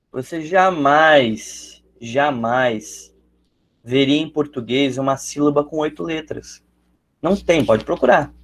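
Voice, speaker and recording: Slow-talking man teaching English. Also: medium pitch. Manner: explains step by step, thinking aloud with many fillers. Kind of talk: classroom lesson explaining grammar.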